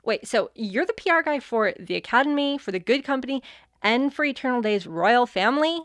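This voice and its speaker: A woman playing a brisk, bossy young godparent in an audio fantasy comedy, blunt and sardonic. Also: on the high side, animated, fairly bright tone, dry recording. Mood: skeptical. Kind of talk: audio fiction comedy acting.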